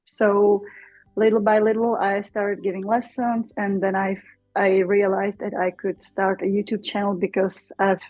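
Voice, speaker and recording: A young adult woman from the Czech Republic with a Czech accent, a Czech teacher speaking English casually as an interview guest, thoughtful and pausing often. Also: mid-range voice, little pitch movement, darkish tone, dry recording, lo-fi sound. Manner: thoughtful, many fillers and restarts.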